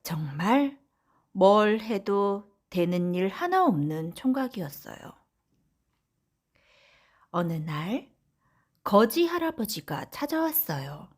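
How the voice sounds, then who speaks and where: A woman narrating folk tales for bedtime in a soft, often whispery, gentle voice. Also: medium pitch, very animated, slow, pauses often. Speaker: audiobook narrator.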